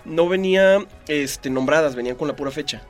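Hombre mexicano invitado a un podcast, charla casual y minuciosa. Voz un poco alta, con música suave de fondo. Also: male voice, a little high, brisk, soft background music. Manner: detailed, self-correcting, heavy filler 'este'. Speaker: podcast guest and fan archivist. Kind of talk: casual chat.

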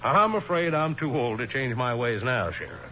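An actor playing a courteous, kindly older colonel who owns a ranch, genteel in a 1940s radio crime drama. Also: male voice, mid-range voice, sing-song, normal speed, natural voice. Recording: muffled, noisy 1940s radio recording.

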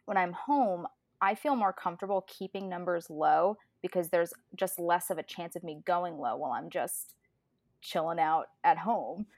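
A woman's voice: on the low side, moderate pace, darkish tone, no echo, studio quality. Chatty young woman in her twenties. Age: 20s. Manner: chatty, rambling with restarts. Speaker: podcast co-host. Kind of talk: casual chat.

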